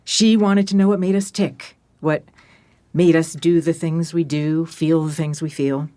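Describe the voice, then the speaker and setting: A woman playing a kindly middle-aged former therapist in an audio drama, gentle, effusive and a little hesitant, in naturalistic conversation. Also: low voice, fairly even intonation, a little slow. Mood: fond, nostalgic. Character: kindly older woman, former therapist, friend of a late mother.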